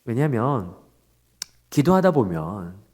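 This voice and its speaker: A male pastor preaching a dawn prayer sermon, expressive and asking the congregation rhetorical questions. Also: mid-range voice, slow pace.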